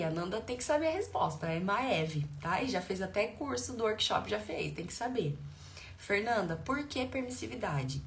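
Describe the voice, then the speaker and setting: A woman with a Brazilian Portuguese accent, working as a parenting educator on a live stream. She talks in an animated way, asks her viewers lots of questions, and acts out scenes from family life. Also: medium pitch, gravelly, a little hiss or hum. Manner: animated, full of questions to the audience, acts out dialogues. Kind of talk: live-stream talk answering viewer comments.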